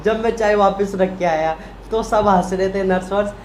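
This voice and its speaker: A man in a casual vlog chat, retelling a hospital story in an animated, emotional way and acting out what people said. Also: sits high, moderate pace, roomy sound, slight background noise. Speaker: vlogger, husband.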